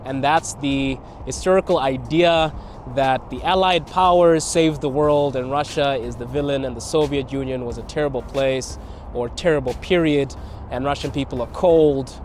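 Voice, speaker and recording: A man's voice: medium pitch, normal speed, a little mellow, slight background noise. A man from Botswana, a guest content creator, answering interview questions outdoors in a reflective way and laughing between thoughts. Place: outdoors in a city park.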